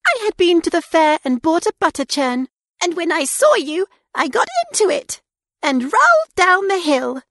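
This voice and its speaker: A woman voicing a small male pig with a high, squeaky and bold voice. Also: sing-song, moderate pace, a bit bright, no echo, studio quality, heavily acted. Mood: gloating.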